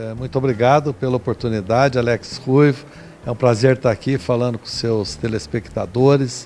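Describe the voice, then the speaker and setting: A man's loudness swings widely over noticeable background noise. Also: medium pitch for a man, ordinary pitch variation, moderate pace. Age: 70s. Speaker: educator and political candidate. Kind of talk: interview.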